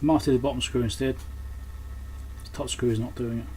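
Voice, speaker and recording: A man with a mid-pitched voice talks through hands-on repair work in a casual, unscripted way. He mutters and thinks aloud as he goes. There is clear background noise in the recording. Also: steady tone, a little fast, a little mellow. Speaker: electronics repairer presenting his repair.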